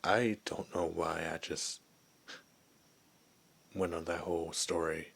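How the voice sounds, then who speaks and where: A gentle, wistful male werewolf, played by a man for an ASMR roleplay, speaks in a very low register. His delivery is slow and barely rises or falls, with hesitant pauses, as if confiding in a lone listener. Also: steady tone, creaky, breathy edge, full character voice. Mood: reflective, warning. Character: gentle, lonely male werewolf, former human, wistful outcast.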